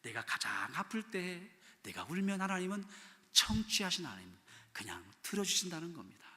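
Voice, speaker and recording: A middle-aged male pastor preaching a sermon in a church, acting out prayers and quotes, swinging from loud calls to soft, pleading tones. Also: on the high side. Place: church sanctuary. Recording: church hall reverb.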